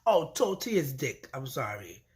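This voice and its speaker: A woman's voice: very deep voice, unhurried. Stuffy-nosed woman recapping reality TV. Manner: chatty, blunt and profane, with lively asides. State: stuffy nose from allergies. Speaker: reality TV reviewer. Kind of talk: casual recap vlog.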